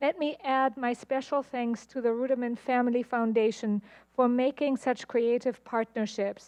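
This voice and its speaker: A German accent at a moderate pace, with fairly even intonation. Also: woman. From Germany. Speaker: university administrator and historian. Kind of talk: formal welcome remarks. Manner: formal.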